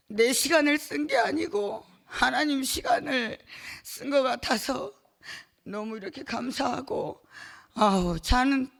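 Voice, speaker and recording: Slow, gravelly woman giving a halting testimony. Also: high-pitched. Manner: halting, with many fillers, laughing between phrases. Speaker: church member giving testimony. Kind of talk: emotional personal testimony at a church gathering. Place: church gathering hall.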